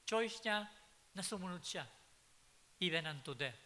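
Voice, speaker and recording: A man's voice: sits high, animated, unhurried, pushed and bright. A man preaching a sermon in a church, telling stories and switching into English phrases, building to emphatic peaks. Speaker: pastor. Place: church hall. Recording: hiss and long hall reverb.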